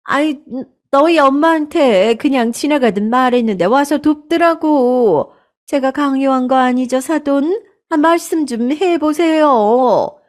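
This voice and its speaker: A woman's voice: sits high, animated, a little slow, voice pushed up. A woman voicing a haughty, scornful middle-aged mother-in-law who talks defensively and sneers in a storybook drama.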